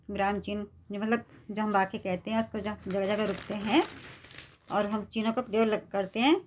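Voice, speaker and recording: A woman teacher patiently explaining a lesson to young students, often checking in with them. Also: medium pitch. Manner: patient, repeats "theek hai" to check understanding.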